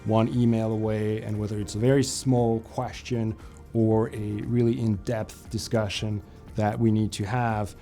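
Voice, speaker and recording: A man's voice: on the low side, little pitch movement, unhurried, dark tone, soft background music. A man in his forties from France, a financial advisor talking easily about his career, with frequent fillers and restarts. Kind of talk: company profile interview.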